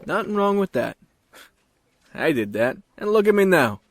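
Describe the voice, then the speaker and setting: An actor playing an easygoing, joking police officer in a naturalistic audio drama, with informal, slightly hesitant delivery. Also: male voice, high voice, big pitch swings, moderate pace, no room sound. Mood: casual, joking.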